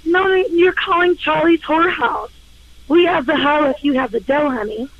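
A woman heard over the phone, talking loudly and yelling into the receiver as she answers the line. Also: high-pitched, normal speed, no room sound, phone-quality sound.

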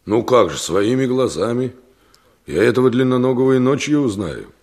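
A man's voice: medium pitch, lively intonation, normal speed, a little mellow. An actor playing a village son and informer who is wary of his father, in a radio drama. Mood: assured.

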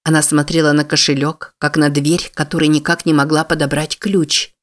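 An audiobook narrator reading a novel in steady scripted narration. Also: mid-range voice, moderate pace.

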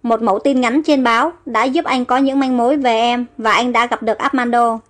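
A woman's voice: fairly high pitch, fairly even intonation, brisk, faint music behind, lightly acted. A woman reading as an earnest protective elder brother. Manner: earnest, reassuring.

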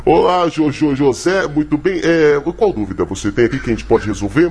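A Brazilian man hosting a comedy mock lesson as a professor, explaining in a halting, didactic way. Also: fairly high pitch, music in the background. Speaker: comedy professor host answering callers.

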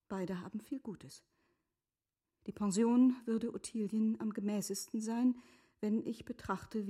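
An actress playing an earnest, resolute middle-aged wife in a literary radio drama, with measured, formal phrasing. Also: female voice, mid-range voice. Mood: calm, deliberate. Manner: measured, formal phrasing, often hushed and breathy.

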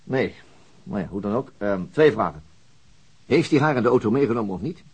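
A man acting a terse, evasive police detective in a radio play, measured and noncommittal. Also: lowish voice, expressive, a little mellow, slightly rough. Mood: analytical. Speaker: actor in a radio drama. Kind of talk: naturalistic radio play dialogue.

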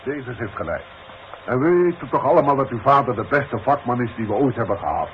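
Actor as stern company boss, formal and authoritative. Vintage Dutch radio play, dull noisy recording. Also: male voice, medium pitch, expressive, brisk, lightly acted. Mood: stern, concerned. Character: stern, cautious boss disclaiming responsibility.

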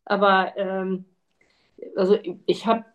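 A woman's voice: medium pitch, little pitch movement, slow pace, muffled recording, close to an everyday voice. Woman as a middle-aged male patient, hesitant and chatty, everyday voice. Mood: worried. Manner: hesitant, chatty, tags sentences with "ne". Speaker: simulated patient. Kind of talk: medical exam role-play.

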